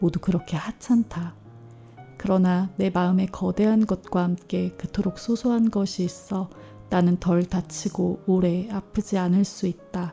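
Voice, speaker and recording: Music plays in the background as a woman speaks at a fairly slow pace. Her tone is calm, her pitch medium, with ordinary pitch variation. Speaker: booktuber reader. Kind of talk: essay reading aloud, ASMR. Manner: soft-spoken, calm.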